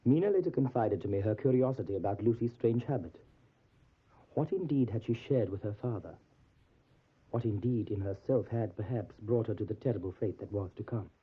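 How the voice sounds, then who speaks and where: An actor playing a grave narrator who recalls dark events in an audio drama, husky, formal and deliberate. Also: male voice, fairly low pitch, animated. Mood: grave, brooding. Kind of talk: dramatic first-person narration. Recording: narrow phone-like audio.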